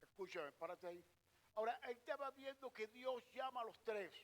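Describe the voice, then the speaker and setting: A man's voice: very high-pitched, expressive, normal speed. A man preaching a sermon. He fires questions at the congregation, answers them himself, repeats his points and tells a reader when to read the next verse. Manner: directs a scripture reader between points; repeats and restarts phrases, hammering each point.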